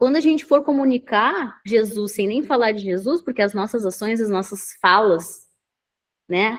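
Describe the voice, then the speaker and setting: Animated in tone, a woman speaks at a fairly high pitch and a moderate pace. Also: ordinary pitch variation. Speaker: women's devotional leader. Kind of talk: live devotional teaching. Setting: live stream.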